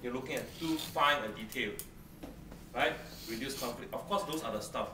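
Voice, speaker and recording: A middle-aged man teaches a debate class in a large brick seminar room, brisk and teasing, hammering his points home. He is caught by a distant camera, so his voice sounds roomy and set back, with steady room noise behind him. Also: mid-range voice. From Singapore. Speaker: debate lecturer. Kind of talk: classroom lecture with questions. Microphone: far camera, no close mic.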